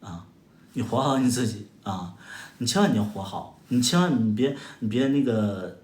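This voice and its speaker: This livestream host from Heilongjiang, China, speaks Northeastern-accented Mandarin in an animated, slightly mellow mid-range voice at normal speed. Chatting casually, he fires back at viewer comments with combative sarcasm and overblown exclamations, all in an echoey room.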